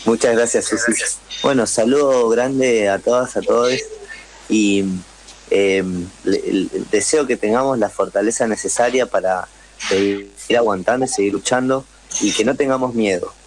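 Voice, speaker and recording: A man speaks slowly and earnestly on a radio show, pausing and restarting as he goes. His voice is low, and clear noise sits behind it.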